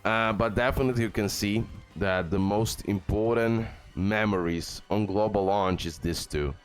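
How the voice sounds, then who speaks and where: A man's voice: fairly low pitch, normal speed, faint music behind. A man hosting a gaming video, giving casual, informal guide commentary peppered with bro and okay.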